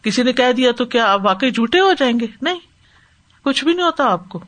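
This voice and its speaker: A man giving a Quran commentary lesson, explaining calmly and asking rhetorical questions, with English words mixed into his speech. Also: very high-pitched. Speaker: Quran teacher.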